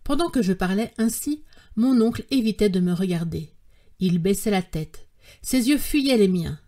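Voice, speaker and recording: Woman narrating an audiobook, measured. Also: mid-range voice, lively intonation, warm tone. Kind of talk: scripted narration.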